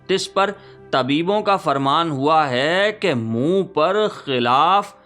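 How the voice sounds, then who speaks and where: Casting: male actor for a witty, lamenting 19th-century poet, courtly and theatrical letter reading, bright higher-set voice, music underneath. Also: animated. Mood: wry, bemused. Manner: archaic courtly diction, wry, theatrical.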